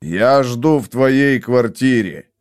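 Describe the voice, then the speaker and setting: A man voicing a sullen, menacing scarred brute who growls slowly. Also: mid-range voice, lively intonation. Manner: growling, slow and threatening.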